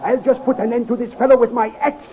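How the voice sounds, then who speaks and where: A tinny old radio recording carries a protective scientist hero. His voice is pitched very high, urgent and loudly declaimed in 1930s adventure-serial style. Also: fairly even intonation, fast talker, slight background noise. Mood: urgent, reassuring. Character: heroic, protective scientist doctor.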